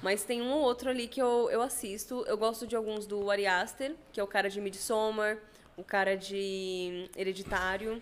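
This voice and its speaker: A woman has an unremarkable speaking voice with a fairly high pitch. She keeps a moderate pace and fairly even intonation. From São Paulo metro area, Brazil. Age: 20s. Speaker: gaming and pop culture presenter. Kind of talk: casual podcast interview.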